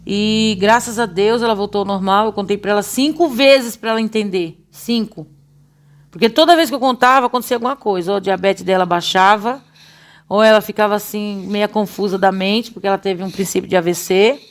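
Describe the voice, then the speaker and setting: A woman's voice: medium pitch, a little fast. A middle-aged Brazilian woman giving a religious testimony, telling her story in an earnest, emotional way. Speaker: church member giving testimony.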